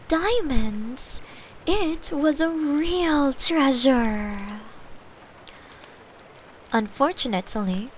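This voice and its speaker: A woman plays a caring girlfriend reading a bedtime tale in a fairly high voice. The delivery is extremely slow and gentle, playful in spirit, with clear background ambience noise behind it. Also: low-quality recording. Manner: gentle, unhurried, playful asides to the listener. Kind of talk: soft bedtime storytelling, sleep-aid roleplay.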